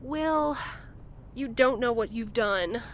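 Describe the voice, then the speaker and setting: A high, tentative voice of an anxious young woman in an audio drama. She is gentle and conciliatory, heard over faint noise. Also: slow. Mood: hesitant.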